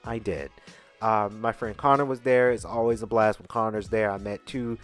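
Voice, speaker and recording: A man's voice: fairly low pitch, steady tone, moderate pace, soft background music. A man in his twenties co-hosting a podcast, rambling casually, bluntly and with profanity, often asking "right?". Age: 20s. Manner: chatty, keeps asking "right?". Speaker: podcast co-host.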